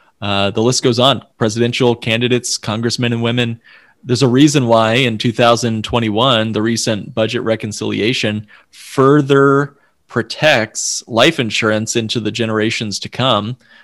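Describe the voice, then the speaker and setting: In a very clean recording with a silent background, a man with an American accent has an ordinary speaking voice. His pitch is medium, his intonation fairly even, and his pace moderate. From US Midwest. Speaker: financial planner. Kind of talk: interview.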